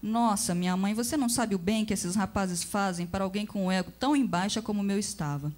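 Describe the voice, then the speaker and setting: A woman's voice: medium pitch, fast, lightly acted. A woman voicing a chatty, cheeky grown daughter gossiping about her day. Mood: gossipy cheerful. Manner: lively, gossipy.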